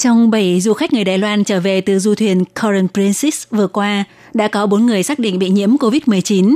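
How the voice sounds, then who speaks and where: With a dark, mellow tone and very even loudness, a woman speaks at medium pitch and a moderate pace with ordinary pitch variation in a dry, close sound with no echo. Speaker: radio presenter. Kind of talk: news reading. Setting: studio.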